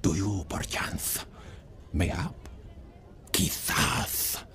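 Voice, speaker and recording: A man's voice: low-pitched, very slow, vocal fry, fairly bright tone, a little hiss or hum, heavily acted. A man playing a debonair cat suitor in an audio play, courting in pompous, flowery, elaborate language. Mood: grandly courting. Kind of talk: audio theatre acting.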